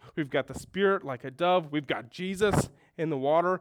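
A man's normal speaking voice with an American accent, ordinary pitch variation and a moderate pace, on a very clean recording with a silent background. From Texas. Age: 30s. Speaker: pastor. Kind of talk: sermon. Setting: church with congregation. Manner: casual, conversational.

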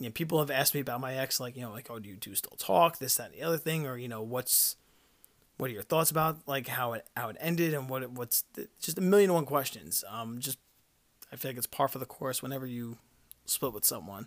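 The recording is very clean, with a silent background, as a man speaks at a medium pitch with ordinary variation. His pace is fairly quick, yet he takes long, frequent pauses, and his loudness swings widely. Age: 20s. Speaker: podcast host. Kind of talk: casual solo podcast monologue. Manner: halting, many fillers.

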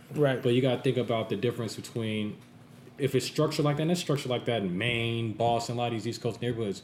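Speaking at a very fast pace with an American accent, a man keeps a medium pitch, ordinary pitch variation and a somewhat breathy sound. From Chicago. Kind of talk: casual chat.

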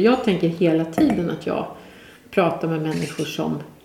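Audible room echo and noticeable background noise surround a woman who speaks at a moderate pace with lively intonation. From Sweden, Strängnäs. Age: 50s. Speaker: priest, former entrepreneur. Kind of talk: casual interview. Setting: at home.

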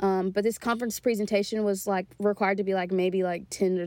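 Her intonation fairly even, a woman speaks at a medium pitch with a Southern US accent. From rural West Tennessee. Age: 20s. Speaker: podcast host. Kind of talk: casual monologue. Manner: filler-heavy (many ums).

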